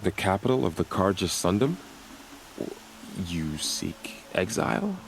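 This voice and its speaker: Very deep, solemn tribal warrior. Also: male voice, very animated, a little slow, a little hiss or hum, heavily acted, low-quality recording. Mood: wary, welcoming. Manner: grave, formal, solemn phrasing. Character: proud, dutiful tribal warrior guarding a gate. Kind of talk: video game cutscene acting.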